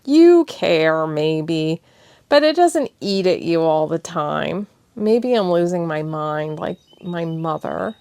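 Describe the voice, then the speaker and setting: A woman voicing a passionate young woman who is crying and sniffling, speaking in high, pleading, breathless outbursts. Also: expressive, slow, a little mellow, no echo, exaggerated voice. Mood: tearful. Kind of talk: audiobook character voice.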